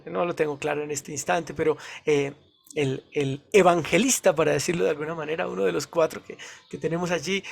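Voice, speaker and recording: A man with a Colombian Spanish accent preaching a devotional sermon, animated, laughing often and repeating his phrases. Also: high voice, vocal fry, dry recording.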